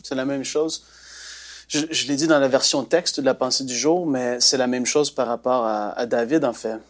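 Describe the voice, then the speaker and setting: A man's voice: mid-range voice, fairly even intonation, moderate pace. Male Christian show host, encouraging, exhorting tone.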